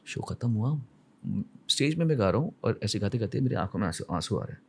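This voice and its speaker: An Indian man in his forties appears as a podcast guest, telling reflective, emotional stories in a conversational way and mixing English phrases into his speech. His voice is fairly low, expressive and darkish with a breathy edge, and he talks quickly.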